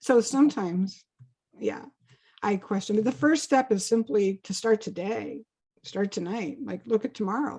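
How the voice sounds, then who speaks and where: A woman with a fairly high pitch and a dark, mellow tone speaks at a moderate pace, her lively intonation touched by vocal fry. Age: 70s. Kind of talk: interview. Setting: podcast.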